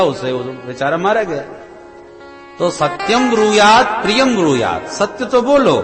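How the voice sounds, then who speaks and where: Animated male preacher in echoing hall. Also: sits high. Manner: animated, expressive preaching with Sanskrit verses. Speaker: religious storyteller. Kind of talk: devotional scripture sermon. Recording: reverberant hall with instrumental music.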